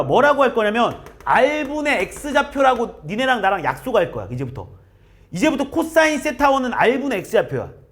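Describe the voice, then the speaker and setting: A man's voice: extremely high pitch, a bit bright. A man teaching a math class, talking casually and directly to his students and acting out their answers.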